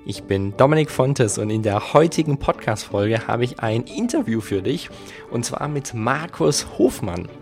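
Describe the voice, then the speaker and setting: A man's voice: mid-range voice, big pitch swings, moderate pace, soft background music. An enthusiastic man hosting a podcast interview, speaking in an upbeat, eager way. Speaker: podcast host.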